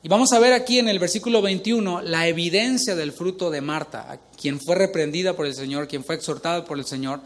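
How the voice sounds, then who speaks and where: A man's voice: fairly high pitch, a little fast, few pauses. A middle-aged male pastor preaching a sermon, asking the congregation questions as he reads scripture.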